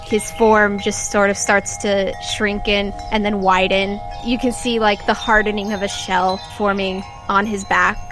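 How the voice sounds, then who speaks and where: A woman hosting as game master of a tabletop audio drama, narrating to listeners over a soft background bed. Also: medium pitch, level tone, unhurried, few pauses, music in the background. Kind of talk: narrating an actual-play game, then scripted credits.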